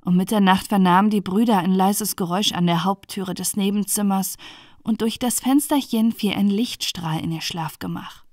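A woman reading a dark bedtime fairy tale aloud in a calm, even narrating voice. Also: mid-range voice, normal speed, no echo, clean studio sound. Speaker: storyteller.

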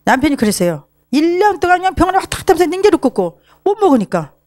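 Animated high-voiced woman in her sixties. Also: racing, no echo. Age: 60s. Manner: emotional, animated storytelling. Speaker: program participant giving a testimony. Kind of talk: personal recovery testimony.

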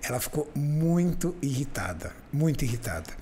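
A man's voice: medium pitch, moderate pace, a little hiss or hum. A man hosting a podcast, telling a story in casual chat and acting out the voices of the people in it. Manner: animated, acts out the voices in his stories. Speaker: podcast host.

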